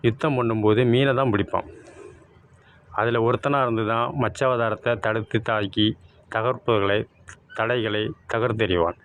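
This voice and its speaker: A man's voice: fairly low pitch, fairly even intonation, normal speed, a bit bright. A man giving a talk on spiritual meanings of words, explaining patiently and repeating key phrases. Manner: repetitive, explains word sounds and meanings. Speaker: spiritual speaker.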